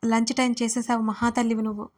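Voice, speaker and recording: A woman's voice: a little high, flat delivery, fast talker, a little mellow, natural voice. A woman voicing a brusque, bossy young man who scolds and teases in an audio story. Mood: bossy teasing. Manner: gruff, teasing, bossy.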